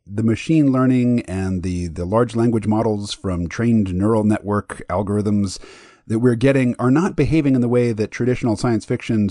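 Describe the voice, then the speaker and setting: A man's voice: lowish voice, mellow, dry recording, clean studio sound. A man hosting his own podcast, talking through his ideas in a thoughtful, explanatory solo monologue. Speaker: podcast host.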